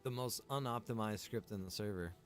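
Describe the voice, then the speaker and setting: A man with a fairly low voice talks casually as he streams a game. His delivery is informal and slangy, like someone chatting with friends, and he swears freely. Music plays behind him. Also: a little fast. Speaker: streamer and game server developer.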